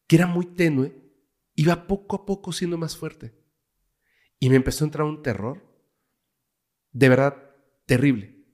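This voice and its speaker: On a casual podcast, a paranormal investigator with a Mexican Spanish accent tells a story dramatically as a guest, his fairly high voice dropping to a hush at the tense parts.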